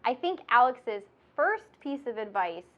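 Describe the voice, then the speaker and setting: A woman's voice: fairly high pitch, big pitch swings, a little slow, muffled recording. Chatty nasal woman teaching. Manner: bubbly, chatty, laughs often. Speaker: instructor and podcast host. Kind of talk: casual instructional chat.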